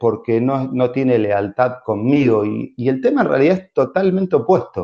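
A man's dark, mellow tone at a medium pitch and a moderate pace. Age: 30s. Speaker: human resources director. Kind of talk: interview. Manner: halting, repeats words.

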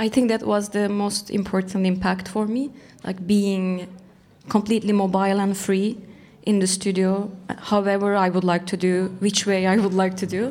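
Her pitch medium and her intonation monotone and flat, a woman speaks at a moderate pace. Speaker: composer and sound designer. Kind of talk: interview.

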